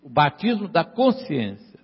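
A man's voice: fairly high pitch, sing-song, measured pace, husky, long reverb tail, lo-fi sound. A man preaching a sermon in a church. He repeats his lines for emphasis and keeps asking the congregation "amen?". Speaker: pastor.

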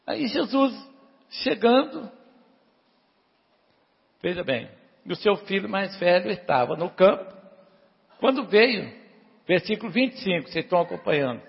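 A man preaches with a high, husky and gravelly voice, animatedly retelling a parable and firing questions at his listeners. The sound is muffled and rings with a long hall echo. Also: unhurried, pauses often. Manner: animated, asks the congregation questions, urges them to answer louder.

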